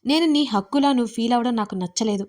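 Voicing a harsh, commanding young husband for an audio storybook, a woman speaks in a fairly high, natural voice at a quick pace. She fires off sharp, scolding questions, sounding angry and demanding.

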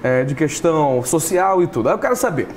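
Lively young male talk show host. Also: a little high, fairly quick, a little hiss or hum. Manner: lively, joking. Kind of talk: TV interview hosting. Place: TV studio set, behind a desk. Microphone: lapel.

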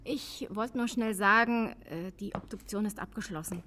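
Actress as female pathologist, tired but brisk, precise, clinical, radio crime play. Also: medium pitch, sharp tone, slight background noise, close to an everyday voice. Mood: breezy, teasing. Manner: precise, matter-of-fact. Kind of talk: German crime radio drama acting.

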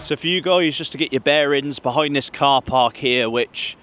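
Walking city streets near a football ground, a man in his thirties chats to his viewers, calling them "guys", in a mid-range voice at a moderate pace. Loud music plays behind him, traffic goes past, and he speaks into a handheld mic with the camera held at arm's length.

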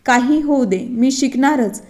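A woman's voice: high voice, a little mellow. A woman voicing Shubhangi, a timid housewife. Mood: determined. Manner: hesitant, halting. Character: shy, timid middle-aged housewife.

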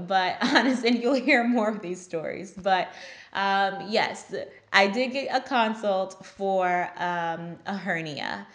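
A young woman from Trinidad with a Trinidadian accent, telling a story straight to camera in a small room, animated and full of ums and likes. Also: medium pitch. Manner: animated, gestures a lot, many ums and likes. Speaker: physician assistant vlogger. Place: small indoor room, plain grey backdrop.

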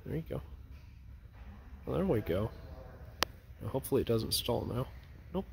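A man flying indoor model planes in a large gym, giving low-key, chatty running remarks into a handheld camera. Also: sing-song, moderate pace, creaky, noisy background. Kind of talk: casual commentary while flying.

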